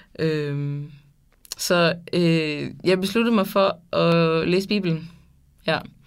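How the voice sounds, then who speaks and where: Pausing long and often, a woman talks at a very slow pace with a fairly low pitch and ordinary pitch variation. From Denmark, Funen. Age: 20s. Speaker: doctor. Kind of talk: testimony. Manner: hesitant, many fillers.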